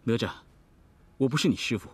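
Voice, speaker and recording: Lively male martial-arts master. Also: medium pitch, brisk, husky. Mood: calm. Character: patient martial-arts master, exasperated by his wife. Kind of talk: costume television drama acting. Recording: music under the dialogue.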